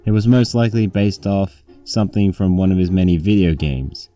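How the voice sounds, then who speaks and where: A man's voice: low-pitched, normal speed, warm tone, faint music behind. A man reading a scripted story aloud as its narrator.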